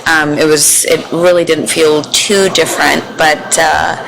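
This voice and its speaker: A woman's voice: low voice, flat delivery, unhurried, creaky, background noise. A young woman, born in India and raised in Houston, chatting as a podcast guest about her work as a lawyer, laughing easily and using many fillers. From born in India, raised in Houston, Texas. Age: young adult. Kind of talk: casual chat.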